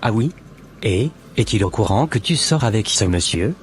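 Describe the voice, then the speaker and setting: A man's voice: on the low side, expressive, moderate pace, faint music behind, lightly acted. Man voicing an earnest preachy Christian brother. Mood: exhorting. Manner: earnest, exhorting.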